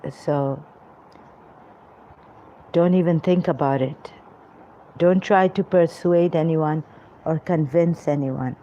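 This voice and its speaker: A woman with a low, mellow voice speaks slowly in a rambling personal monologue, stopping often to search for words. The recording is dull and lo-fi, with a faint hiss behind her. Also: fairly even intonation. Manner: halting, many pauses and fillers. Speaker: vlogger.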